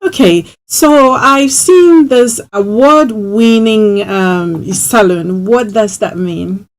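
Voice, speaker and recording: This is a female radio host who speaks slowly and unhurriedly. She keeps the interview moving with gentle questions and soft backchannel sounds while her guest talks. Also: mid-range voice.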